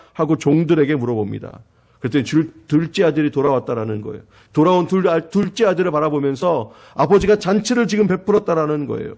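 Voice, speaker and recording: Animated Korean pastor preaching dramatically. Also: male voice, a little high. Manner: dramatic, acting out quoted voices with rising intensity. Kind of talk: sermon. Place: church.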